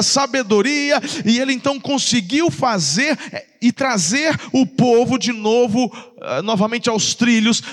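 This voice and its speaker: A man preaching a sermon, lively and jokey, acting out little asides and laughing. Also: extremely high pitch, long reverb tail. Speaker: pastor.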